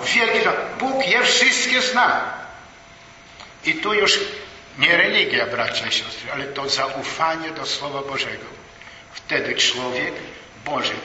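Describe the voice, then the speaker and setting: A man delivers a sermon at an unhurried, weighty pace, his tone bright and slightly raised. He is heard from a distance in a large echoing church hall, the recording a bit dull with faint room noise behind. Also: a little high. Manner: slow, emphatic preaching with rising and falling emphasis. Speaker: preacher. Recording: echoey hall, voice from far off.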